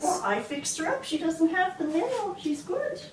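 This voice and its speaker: Using a put-on character voice, a woman talks at a moderate pace in an extremely high, squeaky pitch, with slight echo. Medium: stage play. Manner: confident, matter-of-fact.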